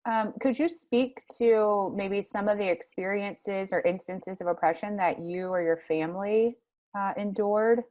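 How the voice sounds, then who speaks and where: Gentle, formal woman interviewer. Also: medium pitch, a little slow, dull audio. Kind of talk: introducing and interviewing a guest.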